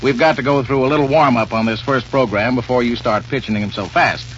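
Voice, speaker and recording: A man announcing and reading sponsor lines on an old radio broadcast in a smooth, formal delivery. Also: mid-range voice, fairly quick, fairly bright tone. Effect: old radio broadcast sound. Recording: muffled old radio recording with faint hiss.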